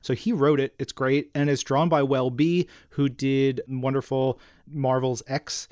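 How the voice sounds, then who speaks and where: An entertainment podcast co-host chats about comics and entertainment in an upbeat, playful way full of emphatic hype. His medium-pitched voice is darkish, level, and measured, captured in clean studio sound with no room sound.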